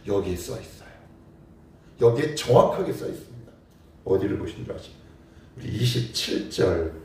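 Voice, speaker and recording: A male pastor giving a lively sermon, asking his congregation questions and acting out little scenes. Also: on the low side, moderate pace. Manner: animated preaching, acting out scenes and rhetorical questions. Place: church sanctuary. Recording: very echoey church hall, voice from a distance.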